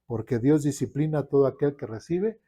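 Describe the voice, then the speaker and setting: A man's voice: mid-range voice, brisk. A man preaching a sermon, asking the congregation questions and acting out people's complaints. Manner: animated, asks the congregation questions, acts out complaints.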